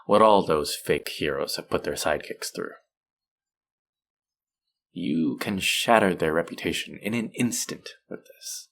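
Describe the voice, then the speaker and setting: A man playing a suave, manipulative supervillain in an intimate audio roleplay, measured and teasing, softly menacing yet tender toward his captive. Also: animated, heavily acted. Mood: scornful, earnest. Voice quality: low, creaky voice.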